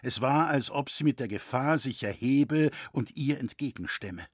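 A man reading a historical novel aloud in a measured storytelling manner. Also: medium pitch, animated, slightly rough, no room sound, clean studio sound. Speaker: reader. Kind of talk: audiobook reading.

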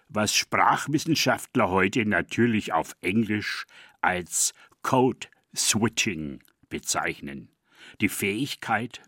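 Older man in his 70s, dialect poet, reads a scripted essay in a low voice with a dry, close sound. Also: fairly bright tone, husky, no echo. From Franconia, Germany. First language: East Franconian dialect. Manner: measured, deliberate reading. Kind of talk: scripted personal radio essay.

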